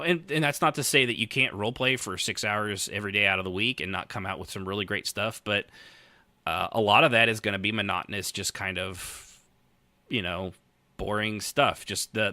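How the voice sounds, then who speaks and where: A man's voice: on the low side, bright, forceful tone, dry recording. A man hosting a casual podcast, rambling and often circling back over his own phrases. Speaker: podcast host.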